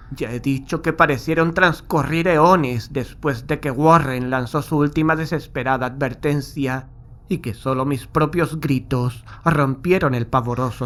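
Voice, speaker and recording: A man's voice: medium pitch, fairly bright tone. A man narrating a horror audiobook in the first person, with a solemn, literary, dramatic delivery.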